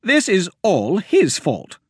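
A man voicing a sharp-tongued young woman treasure hunter who talks in a bossy, dismissive way. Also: high voice, huge pitch swings, normal speed, slightly rough, dry recording, clean studio sound, voice pushed up, exaggerated voice. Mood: scornful.

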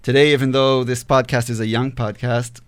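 A man hosting a panel podcast, talking in an upbeat, halting way with fillers and restarts. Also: mid-range voice, flat delivery, clean tone. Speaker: podcast host.

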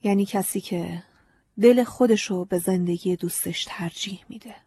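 A scarecrow who has turned into a living man, curt and cold toward the girl, as a woman reading the audiobook puts him on. The voice is very husky and warm-toned. It is recorded dry and close. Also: medium pitch, dry recording. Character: scarecrow come alive, grown man, gruff and aloof.

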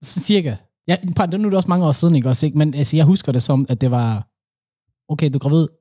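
A young man co-hosting a casual chat, telling animated stories with slang. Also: fairly high pitch, no room sound, studio quality.

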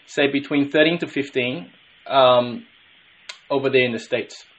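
A man's voice: mid-range voice, measured pace, a bit bright, a little hiss or hum. Rambling Australian male podcast host. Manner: rambling questions with many restarts. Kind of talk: casual interview.

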